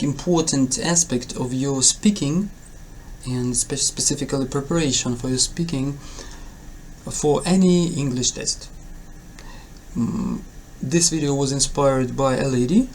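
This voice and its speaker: A Ukrainian man who tutors for an English test talks casually to his viewers on camera with a Ukrainian accent. His voice is mid-range, with a bit of hiss or hum on the recording, and though he hesitates with lots of fillers and self-corrections, he stays encouraging.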